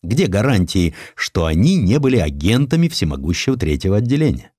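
Low-voiced man narrating with lively swings. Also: a little fast, breathy edge, no echo, clean studio sound. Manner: expressive storytelling, acting out quoted lines. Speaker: audiobook narrator. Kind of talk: scripted narration of historical prose, dramatized reading.

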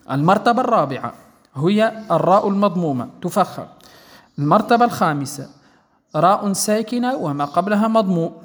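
Man teaching recitation rules in a reverberant hall. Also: sits high. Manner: patient, repeats points and checks understanding. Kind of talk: explanatory tajwid lesson.

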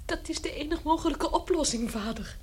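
An actress playing a desperate young sister in a radio play, earnest and distressed. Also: female voice, sits high, expressive, brisk, darkish tone. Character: desperate, hardened young sister pleading with her parents.

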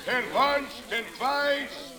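A man's voice: extremely high pitch, drawn-out words, bright, forceful tone, exaggerated voice. A man playing a jovial country auctioneer in an old radio drama, calling bids with chuckling showman patter. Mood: hearty.

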